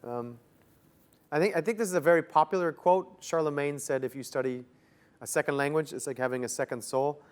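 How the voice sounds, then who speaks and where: A young Canadian interview guest answers in a loose, laid-back style with lots of "like" fillers. His voice is a little high, clear and resonant, and he talks briskly.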